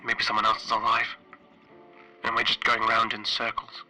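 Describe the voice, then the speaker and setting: A man playing a weary, guilt-ridden stranded flight engineer, recording a halting, hesitant horror roleplay log with a radio-like sound. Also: lowish voice, monotone, pushed and bright, low-quality recording. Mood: uneasy, haunted. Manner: halting, hesitant, self-questioning. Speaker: solo tabletop RPG player. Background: music.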